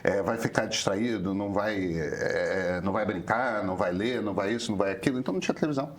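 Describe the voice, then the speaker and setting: A man in his fifties with a Rio de Janeiro carioca accent, explaining things in a relaxed talk-show chat, hesitant with frequent filler restarts. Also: fairly low pitch, fast. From Brazil, Rio de Janeiro. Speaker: journalist co-host. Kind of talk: casual conversational explanation.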